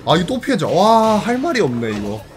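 A man giving lively, self-mocking commentary on his own fighting game match, with sudden yelps and groans. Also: fairly high pitch, quick pace, over music. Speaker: game streamer.

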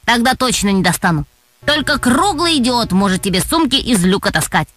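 A woman's voice: fairly high pitch, very animated, fairly quick, a bit bright, faint music behind. A woman voicing a cheeky schoolboy in a children's audio tale, sarcastic and mocking. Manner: teasing and sarcastic. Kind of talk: audiobook character voice.

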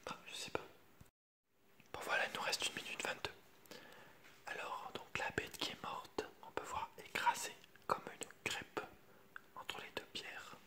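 A man reads a children's picture book aloud in a hushed, unvoiced library whisper, ASMR style, adding informal asides to viewers. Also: unhurried, pauses often.

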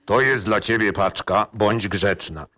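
A low-voiced Santa Claus acted by a man in a radio play. He is a father in costume, talking to children with playful authority. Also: a little slow, bright, forceful tone, a little hiss or hum. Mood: jovial, playful. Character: father actor playing Santa, booming and stern to children.

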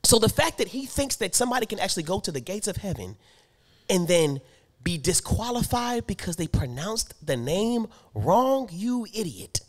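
A man co-hosting a casual theology podcast, reading scripture aloud and riffing on it with laughter and loud emphatic bursts. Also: sits high, big pitch swings, moderate pace. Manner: reads scripture aloud then riffs on it. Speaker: podcast co-host.

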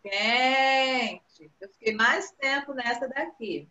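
Brazilian woman teacher, bright and patient. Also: on the high side, animated. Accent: Brazilian Portuguese. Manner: patient, coaxing, drawn-out words for children. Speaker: primary school teacher. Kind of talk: online class teaching. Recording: echoey room, dull video-call audio.

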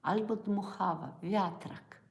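A woman's voice: medium pitch, slow pace, gravelly, reverberant. A woman hosting a casual livestream on her phone, chatting with viewers and asking them questions as she talks about health. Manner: chatty, asks the audience questions. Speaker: livestream host, acupuncture educator. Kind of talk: casual live-stream talk to viewers.

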